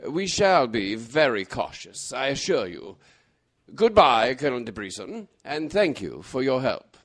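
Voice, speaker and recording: An actor playing a shrewd, composed Victorian gentleman detective in a mystery drama, precise, formal and assured. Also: mid-range voice, very animated, a little slow. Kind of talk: radio-style mystery drama acting.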